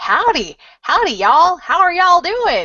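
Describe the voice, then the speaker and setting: Putting on a character voice in a Texas accent, a woman speaks at an extremely high pitch. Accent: exaggerated Texas. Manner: cartoonish, mocking.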